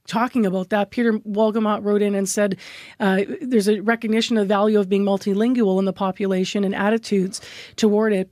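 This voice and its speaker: Measured woman radio host. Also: medium pitch, dry recording, studio quality. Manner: measured, conversational, with soft "um"s. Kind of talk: radio interview, reading listener comments.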